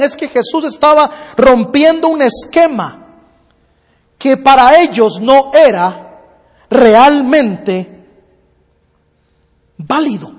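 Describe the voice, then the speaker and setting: A man preaching in a church hall tells a parable, repeating phrases in rhythm as he builds slowly. His voice is very high for a man. A long reverb rings through the hall. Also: breathy edge. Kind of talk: sermon with storytelling.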